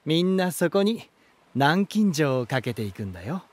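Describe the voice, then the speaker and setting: A man's voice: fairly high pitch, big pitch swings, no echo. An actor voicing a genial, elegant male lighthouse spirit in a voice drama, telling stories in a theatrical manner. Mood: explanatory. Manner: smooth-mannered, theatrical, unhurried storytelling. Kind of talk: Japanese voice drama acting.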